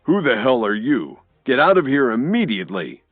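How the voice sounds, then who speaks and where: A man voicing a fierce, indignant businessman in an audiobook, shouting angrily. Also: medium pitch, big pitch swings, moderate pace, dry recording, faint music behind, pitched above the performer's own voice. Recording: dry, tinny phone-like sound from off-mic.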